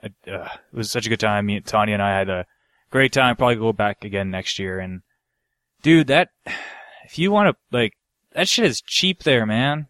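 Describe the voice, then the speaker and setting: A man's voice: on the low side, animated, normal speed, fairly bright tone, no echo, studio quality. A man co-hosting a podcast, telling anecdotes in a casual, slangy, rambling way with some swearing. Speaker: podcast co-host.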